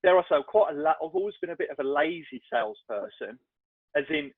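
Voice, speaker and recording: Man, black country accent, podcast guest, chatty and self-deprecating, slightly high voice, dry thin phone-like sound. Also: sing-song, fast talker, gravelly, no room sound. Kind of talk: casual podcast chat. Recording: tinny, dry phone-like line.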